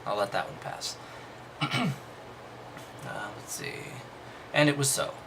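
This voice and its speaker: A man's voice: lowish voice, big pitch swings, slow, creaky, noisy background. A man reading a text aloud and commenting casually, with dry, skeptical, dismissive asides. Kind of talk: casual commentary between read-aloud passages.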